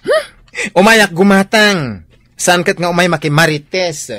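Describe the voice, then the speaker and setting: A man's voice: high voice, unhurried, pushed and bright, no room sound. An actor playing a sassy, effeminate young gay man who gets huffy, in a radio drama.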